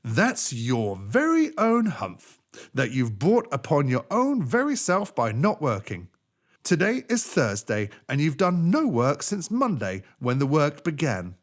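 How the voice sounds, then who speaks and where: A man's voice: fairly high pitch, huge pitch swings, a little slow. A man voicing a stern, wily magical djinn of the desert in a storybook, emphatic and admonishing. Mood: triumphant scolding.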